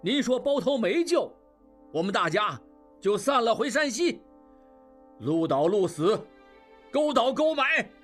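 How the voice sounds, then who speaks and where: A man doing a loud pleading shopkeeper. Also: very high-pitched, sing-song, measured pace, pauses often, faint music behind, exaggerated voice. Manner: loud, urgent, beseeching. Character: loud pleading middle-aged male shopkeeper.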